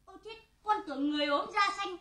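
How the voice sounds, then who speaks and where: A woman's voice: extremely high pitch, fast talker, pushed and bright. A woman playing a giggling male clown servant. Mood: giggly, teasing. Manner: giggling, punning, sing-song. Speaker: clown in folk theater. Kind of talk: traditional folk opera comedy. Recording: echoey stage recording.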